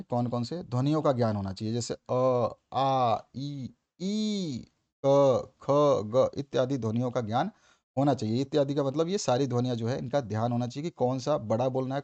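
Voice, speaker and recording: Guy teaching exam prep, says stuff twice, punches words loud in the examples. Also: medium pitch. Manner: explains points by repeating them, with "theek hai" checks; acts out examples with sudden loud stress.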